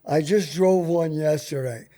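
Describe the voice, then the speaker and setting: High-pitched, mellow man hosting casual chat. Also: unhurried.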